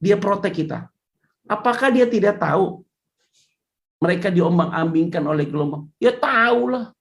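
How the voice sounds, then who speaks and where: A woman's voice: medium pitch, animated, moderate pace, vocal fry. A woman pastor, preaching a casual sermon in a chatty way, with joking asides.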